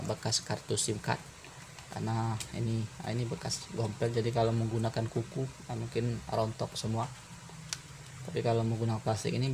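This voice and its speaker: A man giving an informal hands-on repair tutorial, explaining step by step in a halting way with pauses. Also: mid-range voice, gravelly, noisy background. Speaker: phone repair tutorial presenter.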